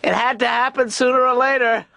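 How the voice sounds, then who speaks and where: A man voicing a mild, hesitant middle-aged father in a cartoon, stammering in a gentle deadpan. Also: very high voice, brisk, vocal fry, dry recording, heavily acted. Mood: dry. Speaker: father and therapist.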